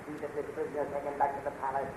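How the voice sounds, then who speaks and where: A man's voice: on the high side, monotone, very fast, darkish tone, slight background noise, natural voice, rough recording. An actor playing an obsequious general serving a queen, hesitant and muttering, in a 1930s radio serial on an old recording. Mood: fawning. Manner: hesitant, fawning, mumbling to himself.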